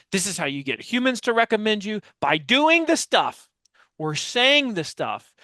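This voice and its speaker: A man's voice: high-pitched, sharp tone, no room sound. An American man in his forties giving an explanatory interview answer as a guest speaker, emphatic, using repetition and rhetorical questions, on a headset microphone. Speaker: podcast guest, author and business speaker. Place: small dim home office, video call.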